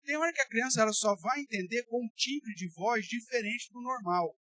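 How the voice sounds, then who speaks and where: A man's voice: very high-pitched, moderate pace, bright, forceful tone, dry recording. A man with a Brazilian Portuguese accent, a pastor giving an emphatic, colloquial sermon and speaking bluntly to his listeners. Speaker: pastor teaching a Bible study.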